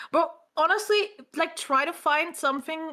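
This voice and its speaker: With a German accent, a woman projects a raised voice, her tone bright and sharp and her intonation lively. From Germany. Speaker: vtuber podcast co-host. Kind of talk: casual chat.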